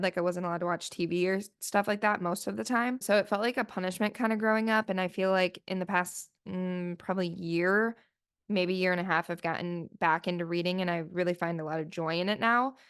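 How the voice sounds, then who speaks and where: A woman's voice: medium pitch, fairly bright tone, clear, resonant tone. A woman hosting a solo podcast in casual, rambling chat full of fillers, sniffly and with her voice still recovering from flu. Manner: chatty, rambling, lots of "like" fillers. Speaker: podcast host.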